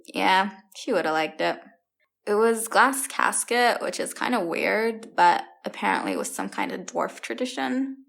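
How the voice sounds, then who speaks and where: An actress playing a blunt, sardonic young fairy-tale heroine with a casual, deadpan delivery in an audio comedy. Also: female voice, medium pitch, unhurried, creaky, exaggerated voice. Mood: wry.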